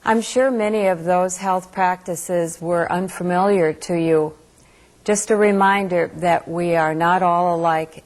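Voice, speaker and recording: A woman with a slightly low voice speaks as an instructor. She explains her material in a measured lecture style, addressing learners directly. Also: darkish tone.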